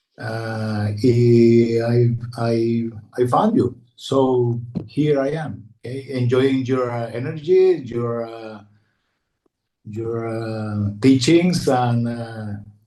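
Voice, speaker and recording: Speaking very slowly at medium pitch with a Spanish accent, a man keeps his intonation fairly even while his loudness swings widely, and the room echo is audible. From Honduras. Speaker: participant in a healing session group. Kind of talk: casual chat. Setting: video call. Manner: halting.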